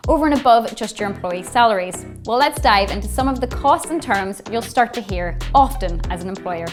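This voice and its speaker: A woman's voice: medium pitch, lively intonation, brisk. A woman reading scripted narration for a business explainer. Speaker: corporate narrator. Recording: music bed under voice. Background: clear background music.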